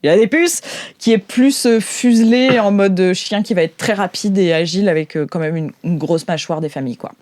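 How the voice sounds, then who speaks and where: A woman with a French accent improvising narration as game master of a sci-fi tabletop game, informal and descriptive, halting as she searches for words. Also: medium pitch, darkish tone, dry recording.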